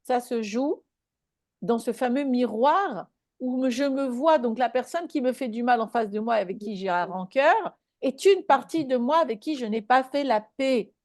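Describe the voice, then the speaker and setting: A woman's voice: fairly high pitch, lively intonation, moderate pace, a little mellow, no echo, studio quality. A woman giving a live spiritual talk to a small online group, speaking conversationally and checking in with her listeners.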